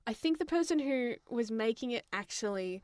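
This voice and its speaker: A woman's voice: on the high side, lively intonation, normal speed, a little mellow, dry recording. A young woman co-hosting a podcast, talking about films and games in a casual, chatty and conversational way. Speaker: podcast co-host.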